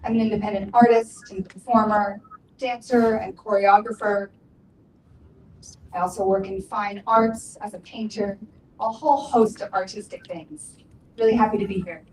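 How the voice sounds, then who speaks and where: A woman voicing deaf panelists' introductions as a sign language interpreter, speaking in measured short phrases. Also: mid-range voice, steady tone, darkish tone. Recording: roomy, distant, faint ambient noise.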